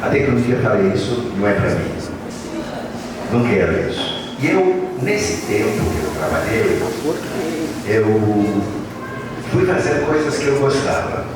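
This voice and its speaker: A man, telling his life story to students at a school event in an unhurried, reflective way. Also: on the low side, big pitch swings, a loud crowd. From Argentina. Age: 60s. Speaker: guest speaker. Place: large school hall. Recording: echoey hall from far off, with noise.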